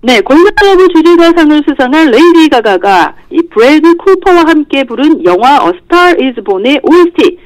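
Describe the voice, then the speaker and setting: High, animated woman reporting entertainment news. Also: moderate pace, hardly any pauses, dry recording, poor audio. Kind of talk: lively radio news report in conversation. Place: radio studio.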